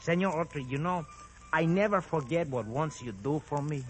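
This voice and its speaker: Guy doing a jittery mexican-accented crook, stammers, giggles, higher voice, music under it. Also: lively intonation, normal speed, lightly acted. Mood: sly, friendly. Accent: Mexican Spanish. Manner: stammering, nervous chuckling. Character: shady nervous Mexican man, small-time crook. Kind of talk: 1950s radio drama acting.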